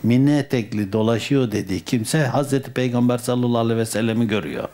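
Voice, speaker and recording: Soft-spoken man giving a religious talk. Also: mid-range voice, fast talker. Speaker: Sufi sheikh giving a talk.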